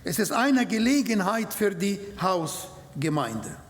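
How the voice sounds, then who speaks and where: A man whose first language is Arabic, preaching a sermon in slow, halting German with non-native grammar. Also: sits high, very animated. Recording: long hall reverb.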